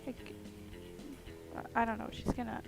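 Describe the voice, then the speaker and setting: A woman chatting casually on a live stream while she carves, with a groggy morning voice, giggling, rambling and humming to herself. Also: moderate pace. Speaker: streamer carving pumpkins. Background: music playing in the background.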